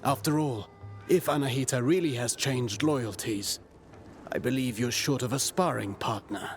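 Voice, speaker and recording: Guy playing troubled loyal soldier in a game, medium pitch, grave, bit of noise behind. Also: moderate pace, natural voice. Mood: dutiful. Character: loyal male warrior, troubled but dutiful. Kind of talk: video game cutscene acting.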